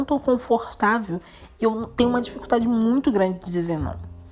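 Fairly quick pace and lively intonation amid noticeable background noise. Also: woman. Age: 30s. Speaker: podcaster. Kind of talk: personal monologue. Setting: home at night. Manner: halting.

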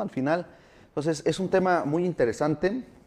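A man's tone is dark and mellow. He keeps to a moderate pace. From Mexico, Oaxaca. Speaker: podcast host, businessman. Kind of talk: podcast monologue. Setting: live-streamed broadcast. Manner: hesitant, many fillers.

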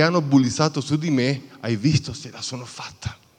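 Over a quiet background, a man with a Spanish accent speaks at a moderate pace. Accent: Spanish-accented Italian. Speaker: pastor. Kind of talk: sermon. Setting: church. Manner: halting.

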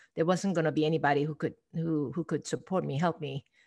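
Speaking at a very fast pace in a Korean accent, a woman uses a very deep, low pitch and fairly even intonation. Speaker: physician and painter. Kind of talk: interview, conversational. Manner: hesitant, many fillers and restarts.

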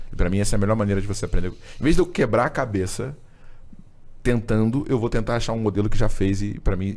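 This man talks at a very fast pace, and his pitch varies in an ordinary way. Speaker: podcast host, entrepreneur. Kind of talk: casual interview.

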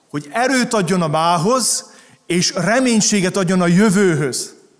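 A man talks with lively intonation at a fairly slow pace, his voice carrying audible room echo amid noticeable background noise. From mountainous region. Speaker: pastor. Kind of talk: sermon. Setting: church.

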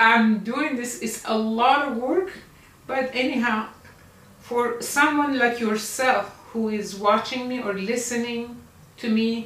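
Over noticeable background noise, a woman with a Persian accent speaks at a very slow pace. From Iran. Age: 70s. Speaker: writer and public speaker. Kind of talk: personal storytelling monologue.

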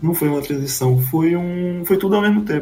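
Noticeable background noise runs behind a man who talks at a fairly quick pace. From Pernambuco, Brazil. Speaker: filmmaker. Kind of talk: casual interview. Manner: halting.

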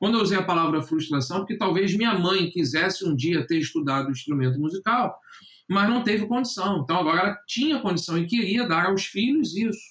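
A man with a high pitch speaks at a fairly quick pace with lively intonation. His loudness stays very even. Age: 40s. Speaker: teacher. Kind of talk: casual chat.

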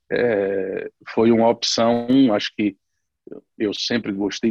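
Very slow speech in a dry, close sound with no echo. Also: man. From Brazil, Salvador da Bahia. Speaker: architect. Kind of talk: interview.

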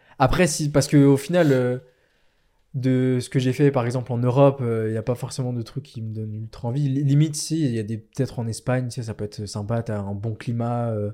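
A man's dark, mellow voice at a fairly quick pace with fairly even intonation, on a very clean recording with a silent background. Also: medium pitch for a man. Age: 20s. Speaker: student bodybuilder and entrepreneur. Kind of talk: casual chat.

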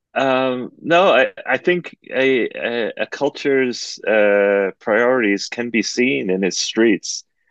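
A man with a Canadian accent speaks at a very slow pace, at a medium pitch. He has hardly any pauses and ordinary pitch variation. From Canada. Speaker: cycling advocate and marketing manager. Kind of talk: interview. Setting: video call.

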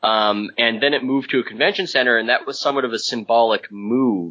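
A man speaks in a plain, everyday voice at a medium pitch. His pitch varies in an ordinary way. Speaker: sports writer. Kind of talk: casual podcast interview.

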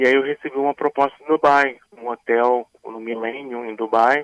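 This man's medium-pitched voice has fairly even intonation and a dry, close sound with no echo. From Brazil. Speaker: chef. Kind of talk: interview.

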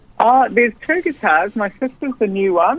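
A woman is speaking. She has a New Zealand accent. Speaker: singer-songwriter. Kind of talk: casual interview.

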